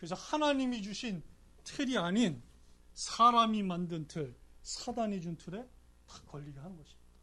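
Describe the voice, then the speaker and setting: A man with a bright, sharp tone and lively intonation, at a fairly slow pace, in audible room echo. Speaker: pastor. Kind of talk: sermon. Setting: church service. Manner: animated, rhetorical questions to audience.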